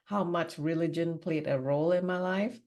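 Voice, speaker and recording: Speaking at a moderate pace in a low-leaning, darkish voice, this Singaporean woman shares her life story on a podcast interview. She's frank and meandering, sprinkling in plenty of "you know" and "like."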